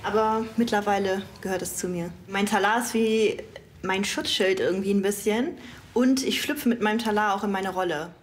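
A woman's voice: medium pitch, normal speed. Thoughtful woman pastor in her thirties. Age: 30s. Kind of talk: casual interview talk.

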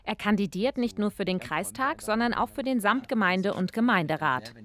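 A woman's voice: mid-range voice, expressive, normal speed, fairly bright tone. Woman reading a news report. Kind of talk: scripted news narration.

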